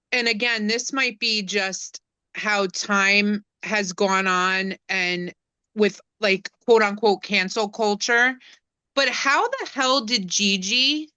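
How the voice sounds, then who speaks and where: A woman guesting on a casual podcast, talking in a measured, casually profane way. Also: medium pitch, pushed and bright, clean tone, dry recording.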